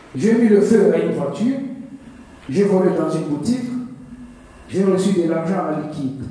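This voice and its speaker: A high-pitched man speaks at a fairly slow pace with lively intonation, his voice carrying a strong room echo. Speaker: refugee reading poems. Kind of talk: reading aloud. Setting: stage with audience. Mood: calm, subdued. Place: hall.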